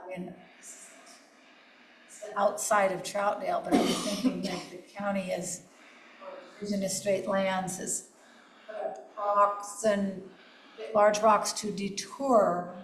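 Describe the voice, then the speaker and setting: A woman chairing a committee meeting over a video call. She talks quietly and haltingly, with many fillers. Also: medium pitch. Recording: echoey room, faint noise.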